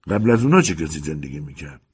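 Young lodger, anxious and eager, husky; a man voices him. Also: very deep voice, big pitch swings, a little mellow, heavily acted. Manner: restrained, eager questioning. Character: anxious young man searching for his lost love.

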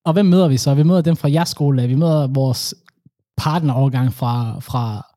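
A young man co-hosting a casual chat, telling animated stories with slang. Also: mid-range voice, no room sound, clean studio sound.

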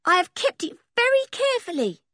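A woman's voice: very high voice, big pitch swings, brisk, fairly bright tone, no echo, clean studio sound, pitched above the performer's own voice, heavily acted. Woman voicing a timid eager traveller boy. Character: timid scruffy traveller boy who sniffs.

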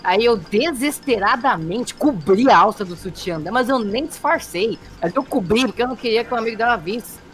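A man co-hosting a casual comic show, telling stories with quick teasing retorts. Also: high-pitched, animated, fairly bright tone. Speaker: co-host.

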